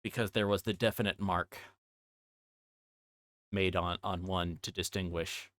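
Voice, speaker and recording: Low-voiced man streaming, dry close sound. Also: steady tone, fairly bright tone, no room sound. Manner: halting, thinking aloud. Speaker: livestreamer. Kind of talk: casual game commentary and read-aloud.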